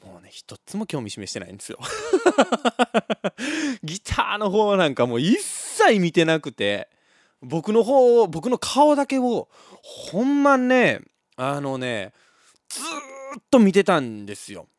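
Kansai man, solo radio host, animated story chat, dry close sound. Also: high-pitched, unhurried, no room sound. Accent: Kansai Japanese. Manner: animated, laughs often between lines.

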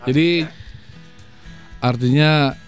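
A man in a casual podcast chat, joking and chiming in quickly. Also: mid-range voice, soft background music. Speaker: podcast co-host.

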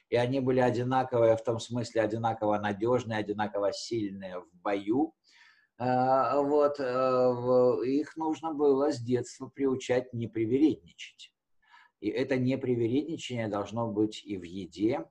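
A man's voice: mid-range voice, darkish tone. A man teaching history conversationally, explaining with hesitations and rephrasing his key words as he goes.

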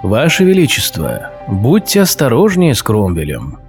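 Give me a man doing a flattering, sly royal adviser who chooses each word with care. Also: medium pitch, over music. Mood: insinuating. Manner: measured, deferential speech full of careful insinuation. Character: scheming male royal courtier, cautious and flattering. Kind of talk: audio drama acting.

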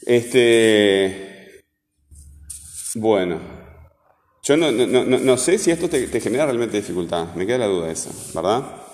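A man's voice: fairly low pitch, animated, a little slow, pauses often, a little mellow, soft background music. A man with a Rioplatense accent, a teacher questioning a student and explaining concepts with many fillers. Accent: Rioplatense Spanish. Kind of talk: interviewing a student in class. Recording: echoey room with long reverb.

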